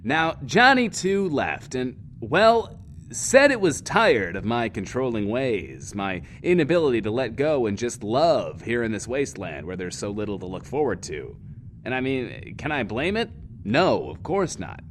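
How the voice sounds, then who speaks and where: An actor playing a self-important, wordy, lonely radio host in a post-apocalyptic bunker, in an audio drama. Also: male voice, mid-range voice, big pitch swings, a little slow, a little hiss or hum. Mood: wistful, apologetic. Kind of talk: in-world radio show monologue, audio drama.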